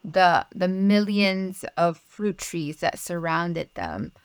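Her voice is smooth and fairly low, unhurried, and recorded with no echo. She's a Bible study writer in her forties from Malaysia, with Mandarin as her first language, chatting as a podcast guest in a casual interview. Earnest and reflective, she laughs lightly now and then.

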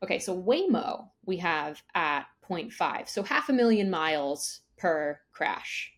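Woman, slightly low voice, conversational analyst, explanatory, asks and answers own questions. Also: very animated, slow. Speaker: analyst guest on an investment show.

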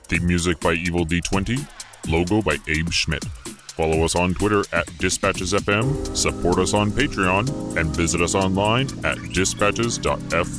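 A man reading the closing credits of a podcast in a slow, measured way. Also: sits low. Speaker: show announcer. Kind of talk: read credits. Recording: over theme music.

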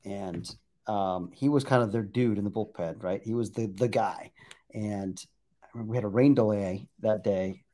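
A man's voice: on the low side, normal speed, warm tone. A man who writes about baseball telling an anecdote on a podcast, rambling with frequent restarts.

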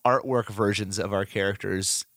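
A man's voice: lowish voice, steady tone, normal speed, fairly bright tone, no echo, studio quality. A man co-hosting a podcast, chatting casually and eagerly about comics, just over the flu. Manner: enthusiastic fan talk with fillers. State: recovering from the flu. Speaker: podcast co-host. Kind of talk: casual comic book discussion.

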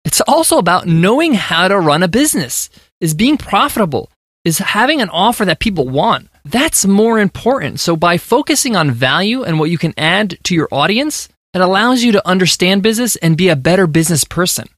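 A man's voice: high voice, sing-song, fairly quick, fairly bright tone, dry recording, studio quality. An American man hosting a podcast, giving an earnest, emphatic monologue of business advice. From United States. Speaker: podcast host.

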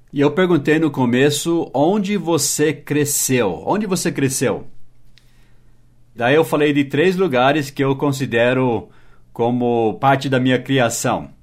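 A man with an ordinary mid-pitched voice hosts a relaxed English lesson podcast. He explains patiently, repeats key words and spells them out letter by letter for his listeners. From United States and Brazil. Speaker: English teacher and podcast host. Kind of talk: casual spoken English lesson.

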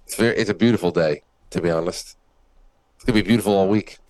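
A man co-hosting a casual live chat, halting and repeating words as he gets going. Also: low-pitched, crowd noise, low-quality recording. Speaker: talk show co-host.

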